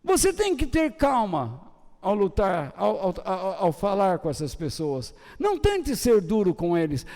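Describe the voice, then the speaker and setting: Animated older Brazilian preacher, gravelly. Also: male voice. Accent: Brazilian Portuguese. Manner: animated, swinging between loud high bursts and low soft trailing ends. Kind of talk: sermon. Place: church hall. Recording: long church hall reverb.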